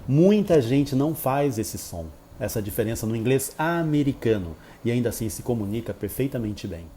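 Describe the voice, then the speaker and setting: A Brazilian English teacher talks through a pronunciation lesson in a loose, joking way, stretching out the sample words. His voice is dark and mellow, with a faint hum of room noise behind it. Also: medium pitch, expressive, moderate pace. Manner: chatty, informal, exaggerates example sounds.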